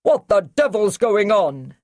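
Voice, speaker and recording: A woman voicing a brisk, commanding male army brigadier in an audiobook, giving clipped, urgent orders. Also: medium pitch, very animated, darkish tone, dry recording, studio quality, voice pushed up. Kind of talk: audiobook character reading.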